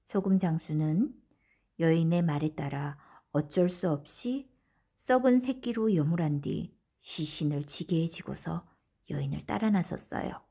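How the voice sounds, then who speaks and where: A woman narrating a folktale audiobook for bedtime, in a gentle, breathy storytelling manner. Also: deep voice, animated, unhurried.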